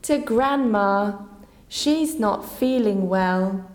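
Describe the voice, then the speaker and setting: A woman playing ten-year-old Little Red Riding Hood in a school English audio play, speaking slowly and clearly. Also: medium pitch, darkish tone, reverberant, big-room sound. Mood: innocent. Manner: slow, clear, innocent delivery.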